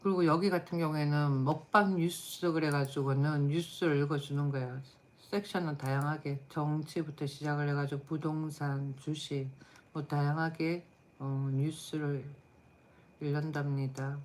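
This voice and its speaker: A middle-aged woman hosts a casual live stream and speaks in a notably low voice. She talks bluntly and chattily, answering viewers' comments as they come in. She sounds tired. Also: steady tone, normal speed, darkish tone, a little hiss or hum.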